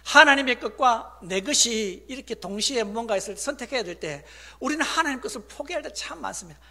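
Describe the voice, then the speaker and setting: High bright-voiced preaching pastor. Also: male voice, expressive, a little fast, gravelly. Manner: swings from hushed whispers to loud emphatic preaching; acts out congregants and God in quoted lines. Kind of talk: sermon.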